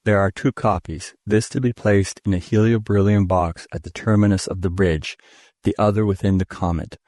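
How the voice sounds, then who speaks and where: A man reading a classic science fiction story aloud in steady, measured first-person narration. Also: fairly low pitch, no echo, studio quality. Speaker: audiobook reader.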